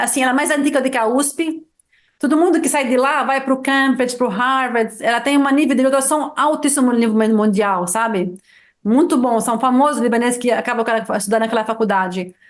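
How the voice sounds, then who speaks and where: A middle-aged woman with a high voice, originally from Lebanon and a native Arabic speaker, chats with an interviewer. She tells stories in a lively way, often restarting her sentences and checking in with "you know?". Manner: lively storyteller, many restarts and "sabe?" tags. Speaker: guest. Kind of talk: casual interview chat.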